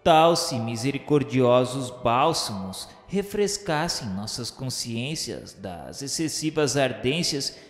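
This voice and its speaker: A man's voice: medium pitch, lively intonation, slow, hardly any pauses. A Brazilian man playing a remorseful male spirit who narrates a radio novela in solemn, formal, literary diction. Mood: sorrowful, remorseful. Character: remorseful male spirit of a suicide recalling the afterlife. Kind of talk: dramatized first-person narration of a radio novela. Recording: echoey hall reverb with music.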